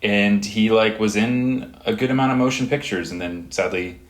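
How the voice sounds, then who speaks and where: Relaxed man with a lowish voice. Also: normal speed, reverberant. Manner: relaxed, rambling storytelling with fillers. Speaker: podcast co-host. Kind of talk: casual chat.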